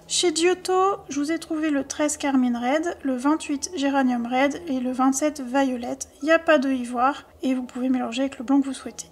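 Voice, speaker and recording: A woman's voice: high voice, darkish tone, a little hiss or hum. A woman hosting a casual drawing tutorial, chatty as she lists pencil colors and their codes, with small self-mocking asides. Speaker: art tutorial host.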